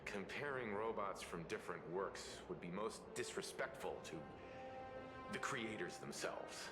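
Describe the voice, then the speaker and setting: A man playing a polite, middle-aged robot enthusiast with formal, measured wording in a video game. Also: lowish voice, natural voice. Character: mature, polite man, earnest giant-robot fan. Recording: echo, loud game music behind.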